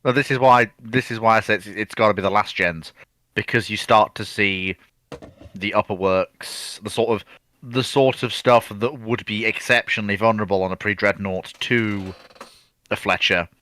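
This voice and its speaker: Male panelist, lowish but bright, forceful voice, casual explanatory technical talk. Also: steady tone, normal speed.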